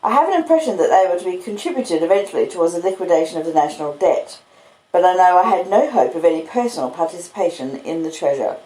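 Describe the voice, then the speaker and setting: Using laptop and phone microphones on basic home equipment, this Australian woman records relaxed live chat and literary storybook reading with roomy echo. A podcaster and audiobook reader, she speaks in an unhurried, cosy storytelling way. Her lowish voice is mellow with lively intonation.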